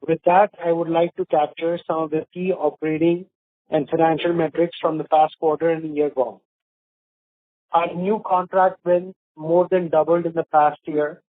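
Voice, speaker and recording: A man with an Indian accent formally reading prepared earnings call remarks as a company executive, in a measured way. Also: on the high side, dry recording. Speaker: company executive presenting results. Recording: narrow, tinny phone conference line.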